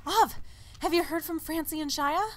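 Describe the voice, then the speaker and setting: A woman's voice: high voice, normal speed, slight background noise, lightly acted. A woman playing a caring, concerned townswoman in an audio drama. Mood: worried.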